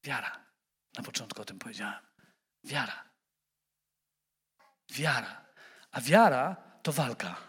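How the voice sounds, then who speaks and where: A man preaching a sermon who speaks straight to the congregation, animated and repeating words as he stumbles. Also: medium pitch, measured pace, long pauses, breathy edge, long reverb tail.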